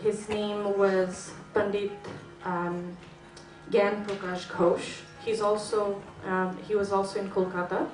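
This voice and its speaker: Speaking at a very slow pace in a flat monotone, a woman is heard with audible room echo and music playing in the background. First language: Bengali. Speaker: classical dancer. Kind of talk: stage introduction. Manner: halting, many fillers.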